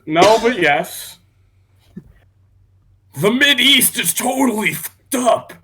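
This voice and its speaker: A person giving terse, casual reactions and reading posts aloud among friends, with drawn-out interjections. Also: medium pitch, expressive, pushed and bright, husky.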